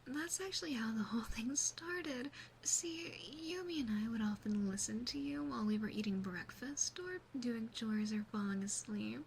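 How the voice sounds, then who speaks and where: A woman voicing a gentle, doting yandere demon sister in a soft, teasing, mostly whispered ASMR roleplay, close on a binaural microphone. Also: fairly high pitch, moderate pace, vocal fry, a little hiss or hum. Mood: confessional.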